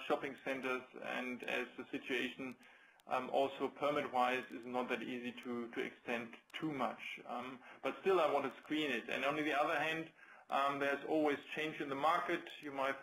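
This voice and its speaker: A man's voice: medium pitch, a bit bright, poor audio. A man with a German accent speaking as a company executive, answering questions on a business conference call in careful, hesitant phrases. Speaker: company executive presenting results.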